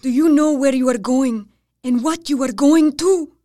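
A woman's voice: high-pitched, moderate pace, mellow, no echo, studio quality, natural voice. A woman playing an anxious, superstitious old innkeeper's wife in an audio drama, pleading and ominous. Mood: fearful warning.

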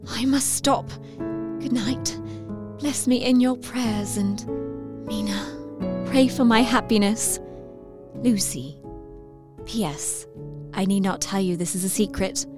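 A woman's voice: mid-range voice, slow pace, pauses often, close to an everyday voice. A young woman playing a lovestruck, confiding Victorian lady reading her letter in an audio drama, effusively. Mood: tender. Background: music under the voice.

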